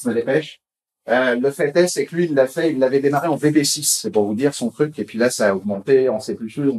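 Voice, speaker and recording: A man presenting at a technical conference, talking in a loose, chatty way. He stumbles through restarts, fillers and repeated words as he goes. His voice sits at an ordinary middle pitch. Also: darkish tone. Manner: rambling, halting delivery with many fillers and repeated words; informal, chatty tone. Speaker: conference speaker.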